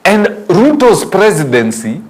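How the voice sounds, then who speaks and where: A man's voice: high voice, unhurried. A middle-aged man with a Kenyan accent, giving a preachy closing commentary as talk show host. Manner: animated, laughs often, preachy.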